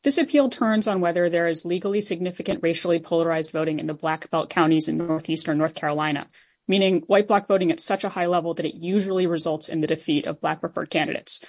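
A woman argues formally before judges as an appellate lawyer. Her voice sits fairly low and has some huskiness. She is assertive and technical, heard on slightly dull courtroom audio. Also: fast talker, a little mellow. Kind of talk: formal oral argument.

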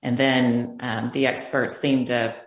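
Very deep-voiced woman judge, slow. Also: little pitch movement, roomy sound, highs cut off. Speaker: appellate judge. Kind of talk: formal questioning from the bench.

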